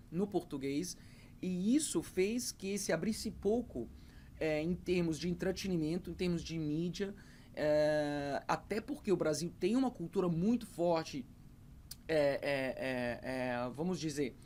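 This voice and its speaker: A man's voice: high voice, a little mellow. Guy in his 30s teaching english on camera, keeps saying uh and repeating himself, faint noise behind. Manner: hesitant, with frequent fillers and repeated words. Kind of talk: talking to camera about learning English.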